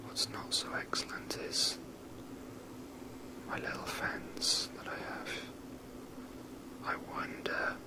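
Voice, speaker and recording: Someone whispering a casual, rambling, unhurried commentary while playing a video game, in a soft breathy ASMR style. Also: rough recording.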